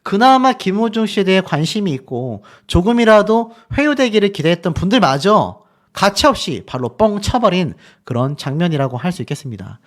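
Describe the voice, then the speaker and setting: Male news commentator, high lively voice, indignant, rhetorical, emphatic. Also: normal speed.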